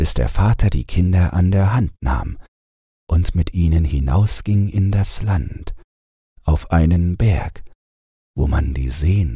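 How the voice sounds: A man talks slowly in a low pitch, with a dark, mellow tone and a husky, rough edge. His intonation is lively.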